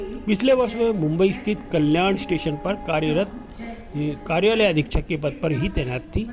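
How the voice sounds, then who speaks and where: Music plays in the background as a man with a high pitch speaks with lively intonation. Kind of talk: informational video narration to viewers.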